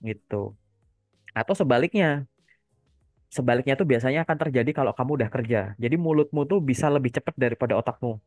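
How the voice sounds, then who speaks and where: A man speaking as a career coach in a relaxed, casual chat, trailing off his sentences with soft fillers. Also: mid-range voice, fast, no echo, clean studio sound, soft background music.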